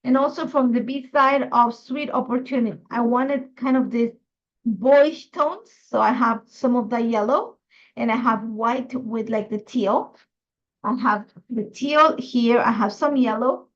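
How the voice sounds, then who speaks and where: A woman's voice: fairly high pitch, unhurried. Woman, from Ecuador, live scrapbooking host, chatty, muffled lo-fi sound. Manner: chatty, thinking aloud while working. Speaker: craft host.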